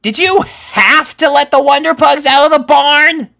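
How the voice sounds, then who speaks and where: A man's voice: very high voice, moderate pace, vocal fry, sharp tone, voice pushed up, heavily acted. A man voicing a brash, hot-tempered young female pegasus pony in a cartoon fan story, frantic and exclamatory. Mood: angry.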